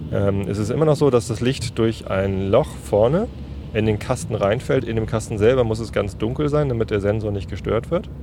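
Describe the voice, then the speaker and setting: Over noticeable background noise, a man with a fairly low pitch talks at a moderate pace with lively intonation. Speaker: podcast host and father. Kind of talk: casual chat. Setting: in a car.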